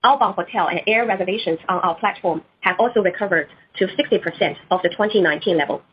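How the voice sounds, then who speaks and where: A woman's voice: on the low side, quick pace, a little hiss or hum. A woman executive giving formal, prepared-sounding answers on an earnings call, with hesitant moments. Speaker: company executive. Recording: muffled conference call audio.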